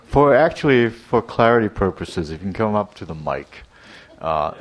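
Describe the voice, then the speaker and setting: A man's voice: fairly low pitch, sing-song, normal speed. A man chairing a public hearing, calling on speakers with short prompts. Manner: calls on speakers, brief prompts. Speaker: meeting chair.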